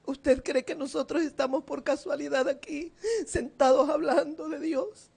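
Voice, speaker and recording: Tearful, very high-voiced woman evangelist. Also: vocal fry, dark tone. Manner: emotional, tearful preaching. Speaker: evangelist preacher. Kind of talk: sermon. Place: seated indoors.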